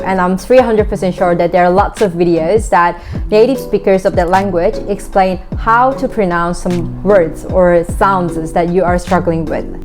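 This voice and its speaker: A young woman with a Korean accent, a Korean native speaker, giving relaxed conversational tips in a vlog, often using "like" as a filler. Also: fairly low pitch. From South Korea. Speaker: vlogger. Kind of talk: casual talking-to-camera tips. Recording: background music.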